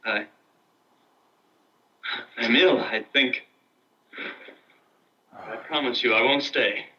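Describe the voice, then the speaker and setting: An actor playing a wounded male stranger, weary and pleading, in earnest, soft 1960s TV drama acting, heard through dull old TV audio with faint hiss. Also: mid-range voice, slow, far from the mic, natural voice.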